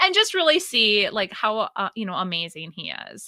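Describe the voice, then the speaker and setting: A woman speaks at a moderate pace in a bright, sharp tone. The sound is dry and close, without echo. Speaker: podcast host, small business owner. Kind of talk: casual chat. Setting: home recording, one shared microphone. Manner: loud.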